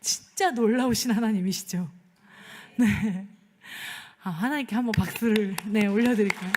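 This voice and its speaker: A woman's voice: medium pitch, normal speed, background noise. A middle-aged woman pastor preaching a sermon in a chatty, storytelling way, often asking the congregation for agreement. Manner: conversational, asks the congregation for agreement, acts out dialogue. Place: church sanctuary. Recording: long church reverb.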